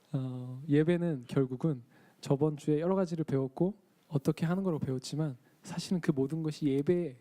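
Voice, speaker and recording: A young man gives a casual sermon in a church. His voice sits a little high. He talks in a chatty way, puts questions to the congregation and acts out the lines he quotes. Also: mellow, poor audio. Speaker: preacher. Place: church sanctuary.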